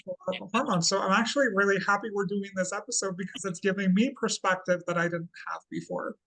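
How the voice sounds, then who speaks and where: Thoughtful trans woman, gravelly deep voice. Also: fairly even intonation, fairly bright tone, rough recording. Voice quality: relatively deep voice. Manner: thoughtful, measured, careful wording. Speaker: interviewer.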